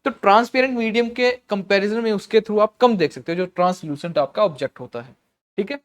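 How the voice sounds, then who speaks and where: In a high-pitched voice, a man explains exam vocabulary at a slow pace, switching between Hindi and English. Repeating words and checking in with "okay," he clears his throat again and again.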